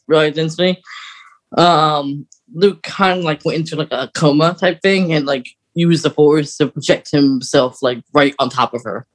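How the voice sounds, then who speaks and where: A man with a somewhat high-pitched voice co-hosts a fan podcast. He talks casually and tends to hesitate, backing up to begin a thought again. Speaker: podcast co-host.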